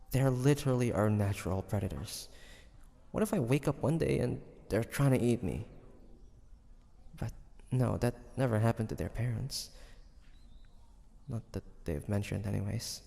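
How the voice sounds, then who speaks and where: A man's voice: mid-range voice, expressive, unhurried, creaky, long pauses, warm tone. A man playing a flustered, smitten demon hunter in a romantic audio roleplay, hesitant and stammering, often muttering to himself. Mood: pensive, doubtful. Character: flustered young male demon hunter, secretly smitten and awkward.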